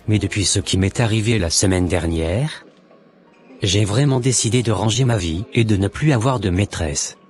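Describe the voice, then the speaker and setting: A man's voice: lowish voice, close to an everyday voice. A man playing a newly converted Christian man in a cartoon, who speaks earnestly and exhorts others.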